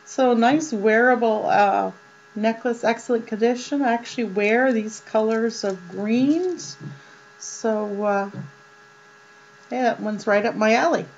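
A woman vlogger doing a casual show-and-tell of jewelry, chatty and unhurried, with many ums and uhs. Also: on the high side. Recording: dull lo-fi sound with mains hum.

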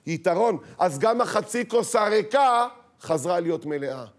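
A middle-aged rabbi giving a lively talk to an audience, asking rhetorical questions and acting out the voices in his stories. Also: high voice. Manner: animated, acts out quoted voices, rhetorical questions.

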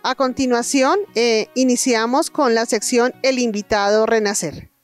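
A woman's voice: fairly high pitch, fairly even intonation, a little slow, music in the background. Brief: Colombian woman co-host, 40s, announcer delivery, handheld mic outdoors. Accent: Colombian, Boyacá. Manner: announcer-like, reads details clearly. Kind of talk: scripted presenting. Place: outdoors in a farm field.

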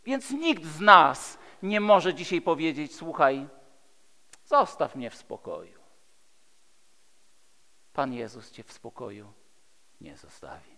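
A male preacher in his fifties delivers a sermon in a high, forceful voice that rings with long reverb in a large church hall. His delivery is emphatic and rhetorical, built on repeated phrases. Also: big pitch swings, slow pace, gravelly, pauses often. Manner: emphatic, rhetorical, with repeated phrases and dramatic swings between loud and hushed.

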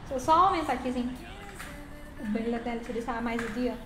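A woman's voice: a little high, fast, echoey room, soft background music. A woman hosting a casual live stream while playing a game, chatty and thanking viewers by name.

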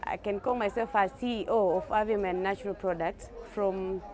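A woman's voice: mid-range voice, steady tone, normal speed, darkish tone. A woman from Tanzania, a company CEO, speaking earnestly in an interview. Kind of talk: interview testimonial.

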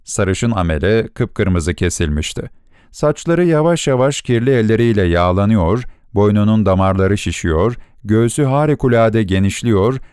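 Man reading a story aloud, measured, smooth clear voice, very dry close sound. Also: lowish voice, darkish tone, dry recording. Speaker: audiobook narrator. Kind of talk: scripted narration.

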